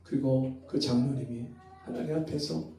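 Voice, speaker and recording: A man's voice: medium pitch, fairly even intonation, moderate pace, dark tone. A male pastor telling a story in an earnest, dramatic sermon. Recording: very echoey hall, mic far off.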